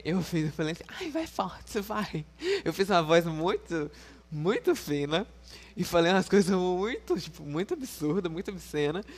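A young man vlogging in casual, frank storytelling to his viewers, playful and quick to laugh. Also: a little high.

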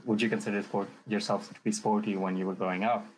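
A man hosting a podcast interview, asking gentle, rambling questions and offering soft murmurs of agreement. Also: lowish voice, little pitch movement, quick pace, slight background noise, poor audio.

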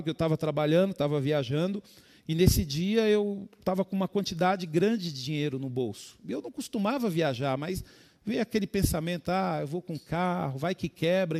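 Brazilian male pastor, high-pitched, middle-aged, emotional sermon delivery. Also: brisk, darkish tone. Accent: Brazilian Portuguese. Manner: preaching with sudden rises in pitch and volume, addressing "queridos".

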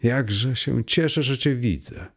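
A man reading a warm, joyful young man in a storybook. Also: mid-range voice, takes it slowly, voice pushed up. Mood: warm cheerful.

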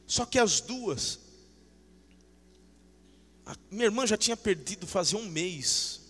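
A man preaching a sermon, swinging from shouted outbursts to low, intimate talk and acting out dialogue fervently. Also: animated, slow pace, husky, faint music behind. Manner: fervent and emotional, acts out dialogue. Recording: long reverb of a large hall.

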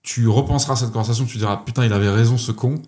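A man's voice: medium pitch, fairly even intonation, very fast, a little mellow. A man co-hosting a podcast, arguing his point in an intense, insistent and philosophical way. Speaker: podcast co-host. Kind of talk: casual podcast chat.

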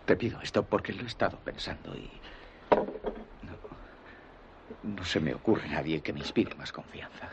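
An actor dubbing a worried, protective father, urgent and anxious at times, gentle and soothing at others. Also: deep voice, expressive, moderate pace, long pauses, muffled recording, noisy background. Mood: tender. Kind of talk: Spanish film dub.

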